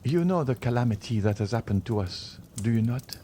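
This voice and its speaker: A man's voice: mid-range voice, lively intonation, fairly quick, dark tone, slight background noise, natural voice. A man voicing an anxious, tender young woman in an audiobook.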